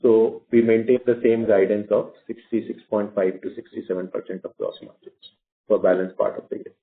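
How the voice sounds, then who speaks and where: A man speaking as a company executive, explaining results in a halting way on a conference call. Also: lowish voice, fairly even intonation. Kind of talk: answering questions on an earnings conference call. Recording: muffled phone conference line.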